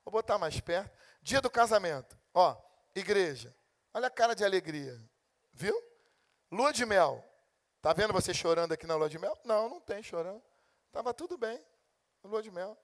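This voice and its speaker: A high-pitched male pastor with a Brazilian Portuguese accent preaches a sermon at a moderate pace. He animatedly takes turns acting out God and his complaining congregation.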